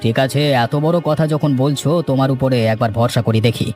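A man playing a shrewd, seasoned land broker in a cartoon, giving measured, matter-of-fact advice and cautions. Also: medium pitch, darkish tone, soft background music, lightly acted. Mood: businesslike, cautioning. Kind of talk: dramatized cartoon dialogue.

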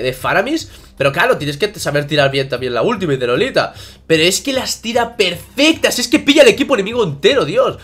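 A man with a Spain Spanish accent doing solo esports commentary over match footage, swearing freely and repeating phrases. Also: high-pitched. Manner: profane, repeats phrases, excitable during fights.

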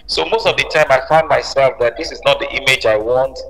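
A man's voice: mid-range voice, fairly quick, creaky, fairly bright tone. A man speaking as a musician guest in an interview, emphatic and repeating phrases for stress. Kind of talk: interview conversation. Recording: reverberant room with long echo.

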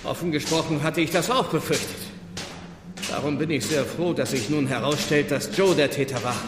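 An actor playing an earnest, self-righteous village reverend in a German radio play, with a solemn, formal and guarded delivery. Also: male voice, a little high, moderate pace, music in the background, lightly acted. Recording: echoey stone church space, noisy background.

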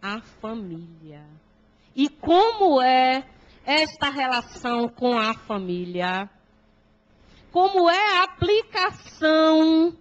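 A Brazilian woman with a Brazilian Portuguese accent delivers a gospel lecture in a large auditorium, holding a handheld microphone. Her voice sits high, and she takes her time, leaning on words and turning to the audience with questions. The recording sounds muffled and lo-fi. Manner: slow, emphatic, with rhetorical questions to the audience. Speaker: spiritist lecturer. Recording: dull lo-fi hall recording.

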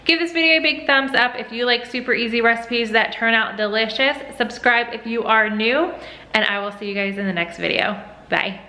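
Bright, chatty woman cooking vlogger. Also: fairly high pitch, moderate pace. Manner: chatty, upbeat, addresses viewers as y'all and guys. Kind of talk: casual cooking vlog. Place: home kitchen. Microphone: camera at close range.

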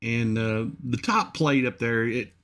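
A man hosting a repair channel, giving a casual off-the-cuff update in a halting, folksy way. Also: medium pitch, fairly bright tone. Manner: halting, hesitant, folksy phrasing. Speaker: host of an engine repair channel.

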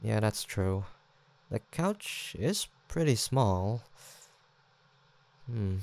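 Gentle and shyly caring, a young male voice actor plays an easygoing, affectionate, teasing student roommate in an intimate, casual roleplay audio drama filled with hesitant banter. His fairly low, slightly mellow voice is exaggerated, very animated and very slow.

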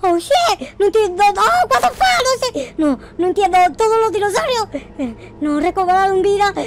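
A man playing a naive, panicky noob game character in excited, repetitive roleplay commentary. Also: very high-pitched, normal speed. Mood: startled, confused. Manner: frantic, repetitive, exclamatory. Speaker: gaming video creator. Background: faint music.

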